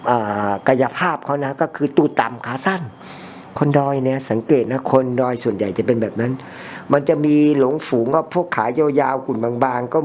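A man's voice: mid-range voice, a little hiss or hum. A man casually chatting with a customer while cleaning ears, a rambling storyteller with blunt, informal speech. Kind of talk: casual chat during ASMR ear cleaning. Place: ear-cleaning session with a customer.

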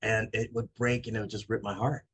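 A money coach in his forties speaks emphatically over a video call from his home office, picked up by a webcam mic. His voice is fairly low with a breathy edge and a fairly quick pace, and he's energetic, talking with his hands.

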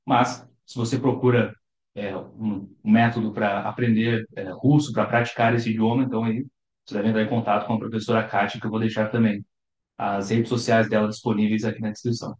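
A young adult Brazilian man, a psychologist, calmly explaining to the camera from his living room sofa. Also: fairly low pitch, fairly quick, roomy sound, rough recording. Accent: Brazilian Portuguese. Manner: calm, explanatory, gestures with his hands. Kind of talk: to-camera talk.

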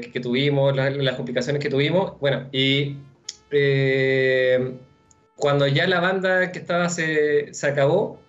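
A young man with a Chilean accent answering interview questions on a video call from home, relaxed and rambling with many fillers. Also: medium pitch. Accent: Chilean Spanish. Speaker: musician guest. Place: room at home. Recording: dull lo-fi video call audio with faint music.

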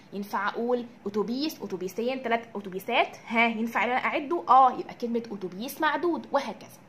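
A woman with an Egyptian Arabic accent teaching English vocabulary, drilling each word with slow repetitions and asking and answering her own questions. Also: a little high, a bit bright, slight background noise. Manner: drills words with slow repeated pronunciation. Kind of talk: recorded classroom lesson.

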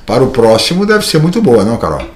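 A man's voice: medium pitch, huge pitch swings, fast talker. An older man, a radio host, asking conversational questions into a studio microphone. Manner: conversational, asks long questions. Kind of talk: studio interview.

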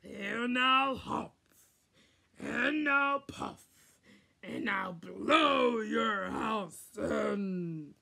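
A woman voicing a cunning, angry male wolf from a storybook, with gravelly, growling, drawn-out shouts. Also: fairly high pitch, lively intonation, exaggerated voice. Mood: threatening, furious. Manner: slow, drawn-out menacing shouts. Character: big bad wolf, cunning, angry, bellowing male villain.

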